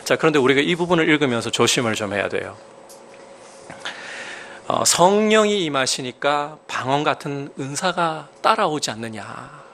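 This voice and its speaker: A male pastor preaching in a slightly high voice that swings widely up and down. He stresses key points with sudden loud rises and asks his listeners questions as he teaches. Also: animated, normal speed, vocal fry, a little hiss or hum. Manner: emphatic preaching with sudden rises in pitch and volume. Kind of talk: sermon.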